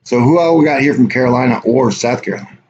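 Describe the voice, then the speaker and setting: Man, mid-pitch, casual livestream host, rambling and offhand, dull lo-fi audio with faint hiss. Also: fast, darkish tone. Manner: rambling, offhand, reads chat aloud. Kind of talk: casual live stream chat with viewers.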